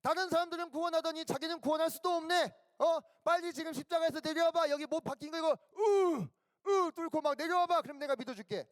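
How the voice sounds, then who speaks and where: A man's voice: extremely high pitch, racing, few pauses, fairly bright tone. A man voicing a scornful ancient scholar who taunts in a sneering way. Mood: mocking. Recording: echoey hall.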